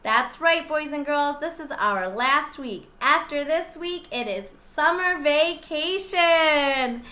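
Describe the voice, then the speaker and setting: एक प्री-के शिक्षिका, बच्चों को कहानी पढ़ती हुई, धीमी और बहुत उतार-चढ़ाव वाली आवाज़।. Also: female voice, high voice. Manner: sing-song, slow and expressive, addressing young children. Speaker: pre-K teacher. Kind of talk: children's read-aloud.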